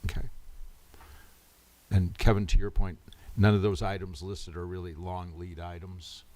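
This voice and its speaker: A man speaking as the chair of a public council meeting in a measured, procedural way. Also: low voice, flat delivery, a little mellow.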